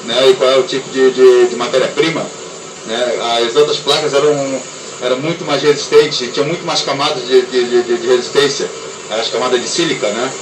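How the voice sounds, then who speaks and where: A man's voice: medium pitch, steady tone, fairly quick. A man, a former repair technician, explaining casually and stumbling over repeated words. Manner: hesitant, repeats words often. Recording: echoey room, far from mic, noisy.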